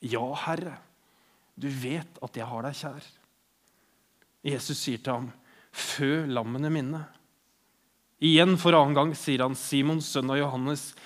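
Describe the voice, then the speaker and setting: A man's voice: mid-range voice, fairly bright tone. Norwegian man preaching an earnest sermon. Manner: earnest storytelling, voicing the speakers in the passage he retells.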